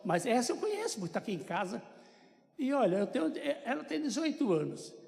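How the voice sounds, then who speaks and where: Older Brazilian man, high mellow voice. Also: big pitch swings, brisk, gravelly. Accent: Brazilian Portuguese. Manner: chatty storytelling with joking asides. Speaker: church member giving testimony. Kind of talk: church testimony to congregation. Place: church sanctuary. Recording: long church reverb.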